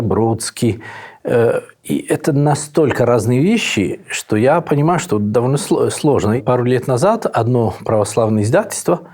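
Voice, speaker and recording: A man who is not a Russian speaker, a priest answering interview questions in a slow, thoughtful way with frequent pauses. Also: mid-range voice, a little mellow. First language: Italian. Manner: unhurried, thoughtful, frequent hesitations. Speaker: Orthodox priest and monk, interview guest. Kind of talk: reflective conversational answers.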